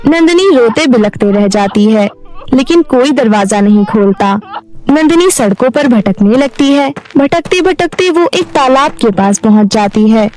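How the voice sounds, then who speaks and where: A woman's voice: on the high side, lively intonation, unhurried, a little mellow, rough recording. A woman reading a scripted children's story as its narrator.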